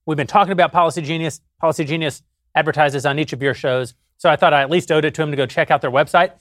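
A man hosting a panel and doing a sponsor read in a joking, deadpan, self-deprecating way. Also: fairly high pitch, rapid-fire, dry recording, studio quality. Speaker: show host reading an ad. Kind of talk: comic ad read.

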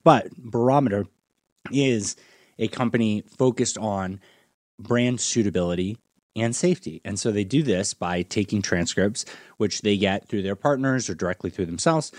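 Male podcast host, slightly deep voice, enthusiastic conversational delivery, very dry sound. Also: moderate pace, no echo.

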